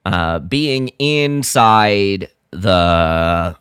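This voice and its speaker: A man's voice: low-pitched, lively intonation, extremely slow, fairly bright tone, smooth, dry recording, studio quality. A man co-hosting a podcast, giving a casual, jokey recap of a story and slipping into mock dialogue. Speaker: podcast co-host.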